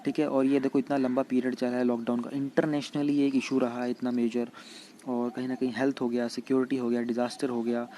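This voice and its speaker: A man giving an exam-prep lecture in mixed Hindi and English. He reads English passages slowly, then explains them in Hindi. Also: mid-range voice, little pitch movement, warm tone, a little hiss or hum.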